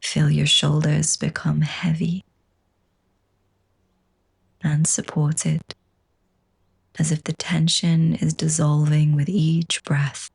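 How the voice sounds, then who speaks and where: A woman teaching yoga nidra, leading a slow guided relaxation in a soft, breathy, husky voice with a gentle, hushed, soothing manner. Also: deep voice, little pitch movement.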